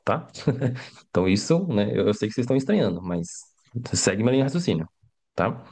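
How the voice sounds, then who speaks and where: A man's voice: on the low side, sing-song, fairly quick, a little mellow, breathy edge. A middle-aged man teaching a live online language lesson in a casual, chatty way, often checking in with his students. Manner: casual, chatty, keeps adding tag questions. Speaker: Mandarin teacher.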